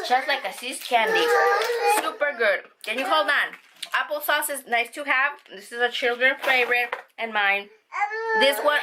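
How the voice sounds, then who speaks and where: A woman reviewing products in a chatty vlog, with excited exclamations. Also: fairly high pitch, heavy background noise. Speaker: unboxing vlogger.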